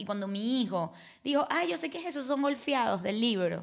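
A woman's voice against a quiet background. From Venezuela, Caracas. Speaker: graphic designer and chef; podcast guest. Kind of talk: casual chat. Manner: fast. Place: studio. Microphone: studio mic.

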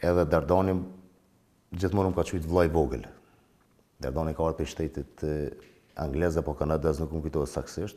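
Speaking at a fairly quick pace, a man with a very deep, low pitch uses a dark, mellow tone, vocal fry and fairly even intonation. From Kosovo, Drenica region; Kosovo. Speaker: war veteran; interview guest. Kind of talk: interview. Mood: emotional war recollection. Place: studio.

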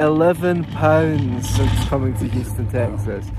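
A man talks through loud background noise, the sound dry with no echo. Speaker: podcast host. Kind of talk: casual chat. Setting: outdoors. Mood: relaxed, joking. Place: open country. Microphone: phone near.

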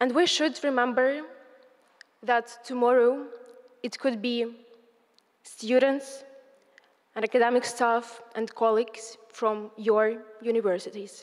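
In a Ukrainian accent, the speaker goes at a very slow pace, with long, frequent pauses and fairly even intonation, over a quiet background. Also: woman, high pitch for a woman. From Ukraine. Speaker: student union president. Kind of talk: prepared speech. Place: hall. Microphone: podium.

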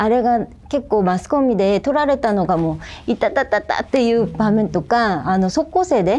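In a Korean accent, a woman with a fairly high pitch and a dark, mellow tone makes very wide pitch swings at a moderate pace while keeping very even loudness. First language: Korean (speaking Japanese). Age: 40s. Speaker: beauty salon owner pitching for investment. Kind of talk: business pitch. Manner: halting with many fillers.

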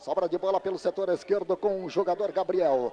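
A man's high-pitched voice at a fairly quick pace, dry and close with no echo, over noticeable background noise. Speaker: football play-by-play announcer. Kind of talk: live commentary. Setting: radio broadcast at stadium. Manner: fast talker.

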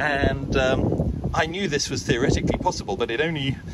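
A man's voice sounds dry with no echo, with loud background noise around it. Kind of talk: casual vlog demonstration. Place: street. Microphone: phone near.

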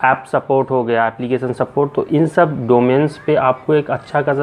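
This man speaks at a fairly slow pace with fairly even intonation. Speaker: career advice vlogger. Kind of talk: casual vlog chat. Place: home room. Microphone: phone near.

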